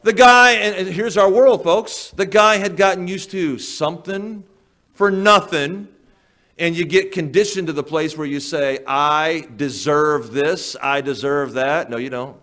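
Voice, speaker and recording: A man's voice: sits high, moderate pace, pushed and bright. A male pastor preaching a sermon in a church, folksy and emphatic, firing rhetorical questions at the congregation. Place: church sanctuary.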